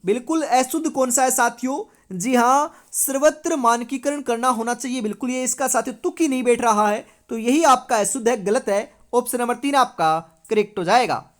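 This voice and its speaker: A woman teacher from India running an exam-prep quiz lesson, reading out multiple-choice options and confirming each answer with stock phrases. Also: on the high side. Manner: reads options aloud, then confirms with repeated catchphrases.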